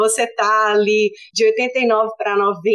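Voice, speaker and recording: A woman speaks with a northeastern Brazilian accent. Her pitch is fairly high. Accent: northeastern Brazilian (Ceará). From Brazil, Ceará (Fortaleza). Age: 40s. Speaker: political science professor. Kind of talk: casual interview.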